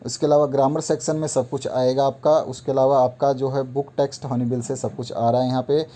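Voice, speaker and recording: A man's voice: medium pitch, little pitch movement, brisk, warm tone. A male teacher going through an exam syllabus item by item, repeating points in an instructive, patient way. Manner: repetitive, instructive, walks through a list item by item. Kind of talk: explaining a syllabus to students.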